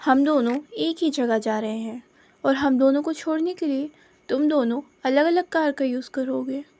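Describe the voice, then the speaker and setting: A woman's voice: sits high, moderate pace, a little mellow. A woman voicing a blunt, practical young man who speaks matter-of-factly.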